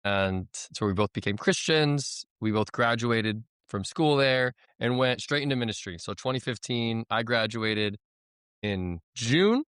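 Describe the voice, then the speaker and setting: A man in his thirties from the United States, a missionary guest telling his story in a relaxed, rambling way. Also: mid-range voice, measured pace, clear, resonant tone, no room sound, studio quality. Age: 30s. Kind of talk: conversational interview storytelling.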